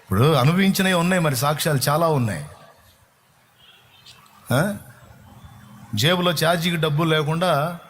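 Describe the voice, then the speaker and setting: A male pastor telling a story in a dramatic, repetitive sermon, building up to loud proclamations. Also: fairly high pitch, normal speed, pauses often.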